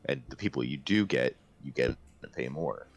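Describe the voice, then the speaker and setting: A man with an exceptionally deep voice chats casually as a podcast co-host. His delivery is gravelly and emphatic, with real enthusiasm for games. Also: lively intonation, moderate pace. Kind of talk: casual video game discussion.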